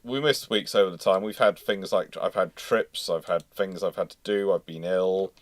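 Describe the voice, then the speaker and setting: A man's voice: sits low, normal speed, no echo. A man hosting a casual livestream, chatting in a rambling way as he thinks aloud. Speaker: host of a naval history livestream.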